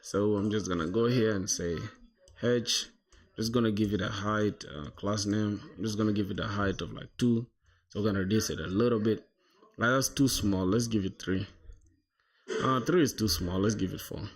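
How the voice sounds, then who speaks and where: A man's voice: on the low side, normal speed. A young man from South Sudan whose first language is Shilluk, casually thinking aloud and chatting with viewers while he codes, calling them "bro" often. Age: young adult. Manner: relaxed, thinks aloud, says "bro" a lot. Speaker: livestreaming programmer. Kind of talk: casual coding livestream chat.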